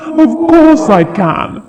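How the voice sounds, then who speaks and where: Man voicing a slow, haughty black dragon. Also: extremely high pitch, noisy background, voice pushed up, full character voice. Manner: condescending, slow and deliberate taunting. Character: haughty, impatient black dragon, mocking and menacing. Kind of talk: fantasy audio drama acting. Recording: loud music under the voice.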